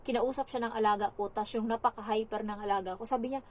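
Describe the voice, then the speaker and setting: A young woman from the Philippines, a domestic helper telling stories in a casual vlog, chatty and animated with lots of fillers. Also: fairly high pitch, fast.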